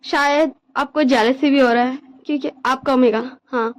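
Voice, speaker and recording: A woman voicing a frank, loyal young man who speaks softly and reproachfully. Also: sits high, fairly even intonation, moderate pace, voice pushed down, lightly acted, poor audio.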